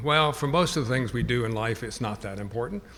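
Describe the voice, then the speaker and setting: A man with a medium-pitched voice and ordinary pitch variation talks in a room with audible echo. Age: 80s+. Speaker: retired government official. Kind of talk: lecture. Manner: halting.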